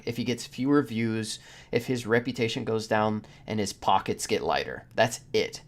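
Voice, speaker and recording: Guy hosting a podcast, medium voice, earnest and emphatic, lays out his opinion in repeated points. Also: medium pitch. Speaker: podcast host, video creator.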